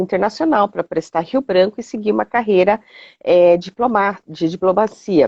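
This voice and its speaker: An ordinary amount of pitch variation at a fairly slow pace. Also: woman. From Brazil. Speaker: mind map instructor. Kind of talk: casual interview chat. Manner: hesitant, many fillers.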